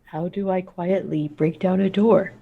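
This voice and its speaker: A woman's voice: fairly low pitch, steady tone, a little slow, vocal fry, phone-quality sound. A young woman chatting casually as a player in a tabletop game, on a video call from home. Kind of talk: casual chat.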